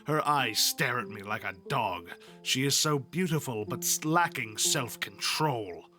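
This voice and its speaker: A man voicing an aggrieved, self-pitying, furious god in a storybook reading, with a declamatory, drawn-out way of complaining. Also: medium pitch, animated, over music, natural voice. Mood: aggrieved, wounded.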